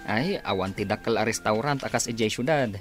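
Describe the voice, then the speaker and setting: An actor playing a friendly village eatery owner who speaks humbly and politely. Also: male voice, on the low side, a little fast, music in the background, lightly acted. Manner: deferential, says sir often. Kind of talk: Ilocano radio drama acting.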